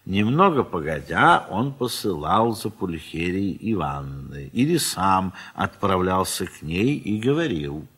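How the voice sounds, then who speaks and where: A man narrating a literary audio play in a measured storytelling manner. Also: sits low, sing-song, fairly bright tone, breathy edge.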